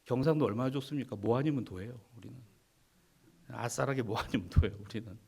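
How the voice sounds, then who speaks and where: A male pastor preaching a sermon, animated and teasing, with sudden drops to a hush. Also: medium pitch, quick pace, gravelly, husky. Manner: animated preaching, swings from loud to hushed, teasing the congregation.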